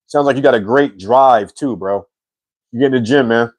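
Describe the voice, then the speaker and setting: Man, 40s, casual live-chat host, mid-pitched, slangy and relaxed, dry sound. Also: normal speed, dry recording. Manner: slangy and relaxed, says bro and man a lot; reads viewer comments aloud and answers.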